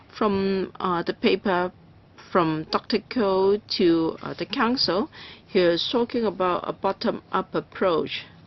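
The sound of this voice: A woman speaks at a fairly slow pace. Her pitch is medium and varies in an ordinary way.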